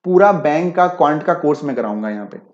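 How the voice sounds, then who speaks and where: A male online exam-prep teacher with a higher, darkish voice explains material in a live class and replies to chat, blending Hindi and English. He is expressive and quick, often checking that students are following, and the audio sounds echoey and dull.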